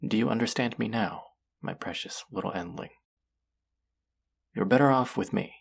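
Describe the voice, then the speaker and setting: This second-person audio roleplay monologue features a performer as a cruel alien collector-artist who covets a captive while pretending to be kind. At a medium pitch with vocal fry and a breathy edge, the delivery is coaxing and possessive, condescending and cooing, lingering slowly over the words and frequently slipping into whispers.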